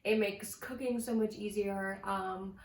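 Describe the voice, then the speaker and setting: Young woman vlogger, casual chatty delivery, some vocal fry, echoey room with faint background hiss. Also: medium pitch, fairly even intonation, measured pace. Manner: chatty, frequent "like" fillers. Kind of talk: casual talk to camera.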